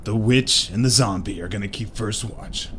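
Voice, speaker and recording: A man's voice: on the low side, normal speed, fairly bright tone, a little hiss or hum. A man playing a tabletop roleplaying game, casually narrating and voicing his character with muttered, hesitant asides.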